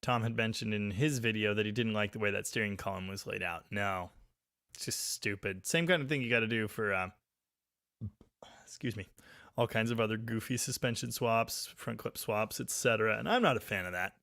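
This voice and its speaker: Loud gravelly guy rambling on a live stream, dry close sound. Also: fairly low pitch, normal speed, long pauses, no room sound. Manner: chatty, thinking aloud while reading viewer comments. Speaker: livestream host reading chat. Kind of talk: casual live chat about cars. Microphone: phone microphone.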